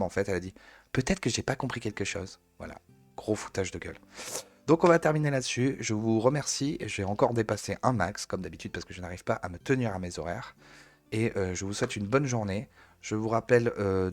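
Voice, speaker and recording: A man's voice: fairly low pitch, no echo. A man from France hosting a live news review, talking in a blunt, sarcastic, mocking way. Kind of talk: casual live commentary.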